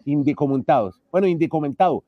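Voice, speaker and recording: A man's voice: a little high, lively intonation, quick pace, dry recording. Chatty man on a dull remote line. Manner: chatty, jokey, self-interrupting. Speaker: podcast host. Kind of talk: casual sports podcast chat. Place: outdoor restaurant terrace beside a busy avenue. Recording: dull lo-fi sound, faint music.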